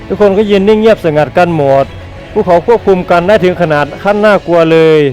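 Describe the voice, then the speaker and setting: A man narrating a web novel in a steady, plain way, his voice pitched high for a man. Soft music runs faintly underneath. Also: fast talker. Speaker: novel reader. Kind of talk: web novel read aloud.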